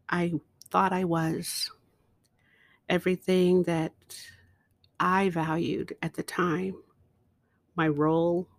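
A woman telling a personal story in a slow, emotional way, with dramatic pauses. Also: on the low side, creaky, no echo. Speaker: speaker.

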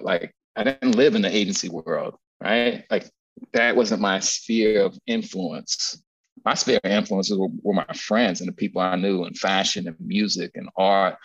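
A man with a somewhat low, husky voice talks as a guest in a podcast interview. He tells stories bluntly and with energy, swearing freely and repeating words as he goes. The audio is dull and lo-fi. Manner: animated storytelling, frequent profanity and repetitions. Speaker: guest, agency founder and strategist.

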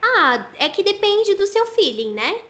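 A woman's voice: very high voice, very animated, unhurried, bright, forceful tone. A Brazilian woman who works as a voice actress, explaining her craft thoughtfully in an interview. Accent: Brazilian Portuguese.

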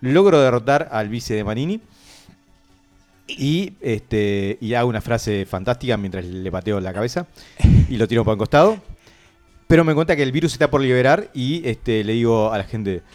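A man's voice: mid-range voice, expressive, normal speed, a little mellow, soft background music. A man with a Uruguayan Spanish accent, a radio show host in comedic banter, playfully spinning absurd stories. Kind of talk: comedic banter among hosts.

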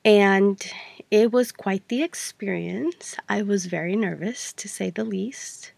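A young woman hosts her podcast in a relaxed, meandering way, circling back and correcting herself often. Her voice sounds stuffy from allergies and has a gravelly fry to it. The recording is close and dry. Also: medium pitch, takes it slowly, no echo. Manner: chatty, rambling, self-correcting with many fillers. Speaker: podcast host. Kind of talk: casual solo podcast talk.

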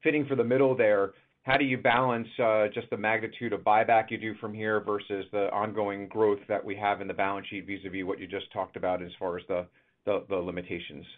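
A man, an analyst on an earnings call, putting a business question in a halting, roundabout way. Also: fairly low pitch, little pitch movement. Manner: halting, circling phrasing. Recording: narrow phone-line call.

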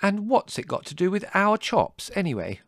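A man's voice: high voice, very animated, normal speed, fairly bright tone, dry recording, clean studio sound, voice pushed up, full character voice. A man voicing an indignant, stubborn teenage girl in an audiobook, petulant and accusing. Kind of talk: audiobook character dialogue.

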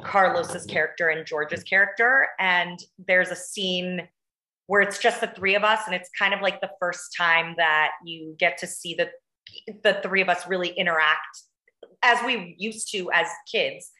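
Woman, lowish but bright sharp voice, measured, echoey room. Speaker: cast member guest. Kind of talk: casual interview chat.

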